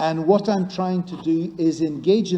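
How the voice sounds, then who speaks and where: Music plays in the background as a man with a Northern Irish accent speaks in a high pitch at a fairly slow pace. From Northern Ireland. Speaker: psychiatrist and politician. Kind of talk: lecture Q&A answer.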